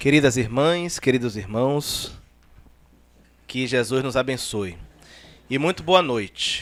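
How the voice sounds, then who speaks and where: On a very clean recording with a silent background, a man speaks very slowly at a medium pitch, with ordinary pitch variation and long, frequent pauses. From Bahia, Brazil (Salvador). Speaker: spiritist lecturer and author. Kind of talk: lecture.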